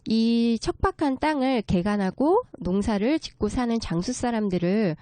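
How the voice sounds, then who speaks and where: A woman gives a courteous interview explanation, taking things step by step. Her voice is mellow and relaxed, with lively movement in pitch. The sound is close and dry. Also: moderate pace, dry recording. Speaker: guest expert, children's story writer. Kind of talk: explanatory interview talk on local folk culture.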